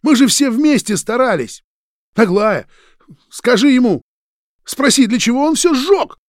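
A man voicing a hot-tempered young man who shouts in a strained, raised voice, in an audiobook. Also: on the high side, lively intonation, a little slow, dry recording, studio quality, voice pushed up. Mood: enraged. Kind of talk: audiobook character voice.

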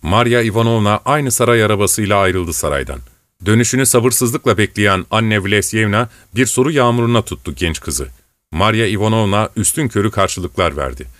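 Low-voiced male audiobook narrator. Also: fairly quick, a bit bright, dry recording.

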